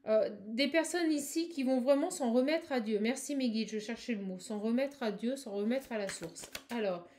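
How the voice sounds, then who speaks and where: Woman doing a spiritual card reading, kinda high voice, talks fast n gushy, faint hiss behind. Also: a little mellow. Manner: effusive, fast, exclamatory, addresses viewer directly. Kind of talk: live tarot-style channeling reading.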